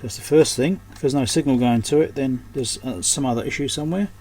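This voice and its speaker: A man's voice: mid-range voice, brisk, darkish tone. Man thinking aloud, noisy background. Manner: muttering, thinking aloud in short fragments. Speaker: electronics repair technician and host. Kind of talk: unscripted hands-on repair commentary. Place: indoors at an electronics repair workbench.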